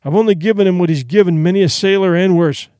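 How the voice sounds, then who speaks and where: A man's voice: sits high, fast, mellow, dry recording, clean studio sound, lightly acted. A man voicing a blunt, hot-tempered man who speaks curtly and firmly.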